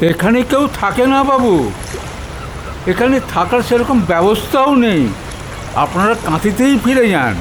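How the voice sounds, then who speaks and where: A man's voice: very high-pitched, expressive, measured pace, pauses often. A man playing a wary village boatman, deferential and cautionary, in an audio drama. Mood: wary warning. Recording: noisy water and boat ambience.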